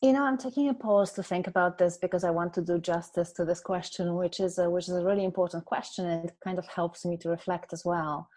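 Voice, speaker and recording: A woman in her forties from Poland with a Polish accent, speaking as an interview guest in a thoughtful, measured way with frequent pauses. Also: on the low side, fairly even intonation, darkish tone, dry recording. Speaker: guest, culture consultant. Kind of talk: reflective interview conversation.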